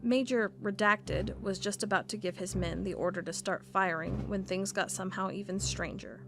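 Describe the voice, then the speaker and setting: A woman narrates a scripted first-person account as a field agent, her telling measured and deliberate like a written report. Her voice sits at an ordinary middle pitch for a woman. Music plays clearly behind her throughout. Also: fairly even intonation.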